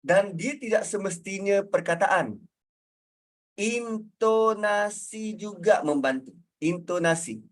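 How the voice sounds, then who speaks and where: A man's voice: high voice, slow. A man with a Malaysian Malay accent giving a conversational religious lecture. He explains word meanings through everyday examples. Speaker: religious teacher.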